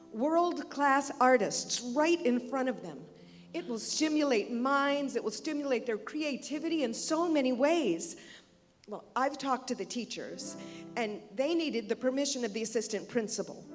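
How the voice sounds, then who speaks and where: A woman's voice: on the high side, lightly acted. Woman acting an earnest arts director, echoey hall. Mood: frustrated, wistful. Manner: earnest, emphatic, deliberate phrasing. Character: persuasive, hopeful yet frustrated female arts education director. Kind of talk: theatrical monologue, dramatic stage reading. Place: reverberant indoor hall at a live reading. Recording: echoey hall, music behind.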